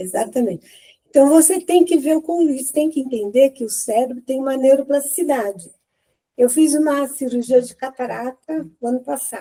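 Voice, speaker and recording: A woman's dark, mellow voice at a high pitch with ordinary pitch variation and a moderate pace. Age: 70s. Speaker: speech-language pathologist and audiology professor. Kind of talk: interview.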